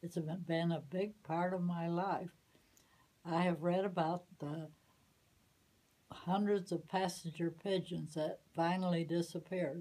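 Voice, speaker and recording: A woman speaks at a fairly slow pace in a fairly low, somewhat breathy voice with a dark, mellow tone, flat monotone intonation, and long, frequent pauses. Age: 80s+. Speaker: petition supporter. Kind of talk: advocacy statement to camera. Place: home room. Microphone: phone near.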